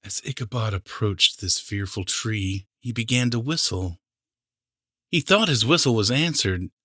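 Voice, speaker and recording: A man's voice: lowish voice, animated, a little slow, a bit bright, no room sound, studio quality. A man reading fiction aloud as a scripted audiobook narrator.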